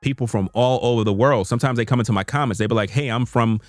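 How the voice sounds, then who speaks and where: A YouTube creator, a man with a medium-pitched voice who talks fast, speaks to his viewers in an unscripted live stream from his computer at home. He's earnest and repetitive, using informal slang. The recording is dry, with soft music in the background.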